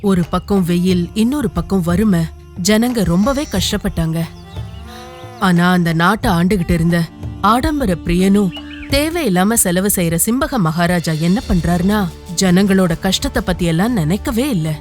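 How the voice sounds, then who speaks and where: A woman reading a scripted children's folktale as an expressive storyteller. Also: fairly low pitch, measured pace. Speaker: storyteller, narrator. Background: music.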